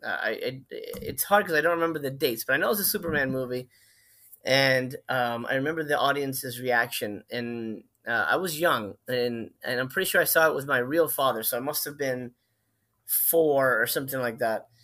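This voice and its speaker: Speaking at normal speed with a medium pitch and a sharp tone, this Miami, Florida filmmaker in his forties is a guest in an easygoing interview. His storytelling rambles, and he often corrects himself mid-thought.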